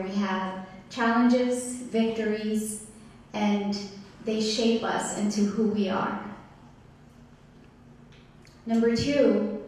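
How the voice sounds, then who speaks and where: A woman from Ethiopia in her thirties giving a prepared community talk as guest speaker, slow and deliberate. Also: mid-range voice. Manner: slow, deliberate, measured delivery. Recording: echoey hall, distant mic, faint noise.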